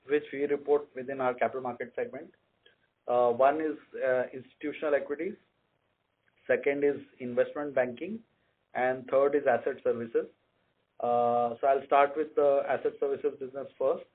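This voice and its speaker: Male executive, medium pitch, measured explanatory delivery, phone-quality conference line. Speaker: company executive answering analysts' questions. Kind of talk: earnings call explanation to analysts. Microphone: conference call line.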